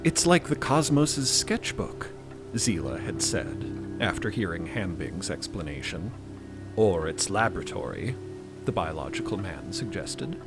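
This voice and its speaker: A man's voice: sits low, big pitch swings, a little slow, over music. A man narrator reading scripted audio fiction.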